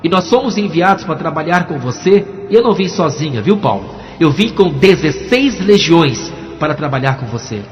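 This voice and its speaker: A man voicing a commanding female demon spirit with slow, ominous speech, set within his testimony. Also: a little high, big pitch swings. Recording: echoey, dull, music underneath.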